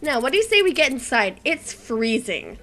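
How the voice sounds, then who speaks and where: A woman's voice: high voice, sing-song, moderate pace, a bit bright, faint music behind. A woman voicing a cheerful, friendly young woman in a dating game.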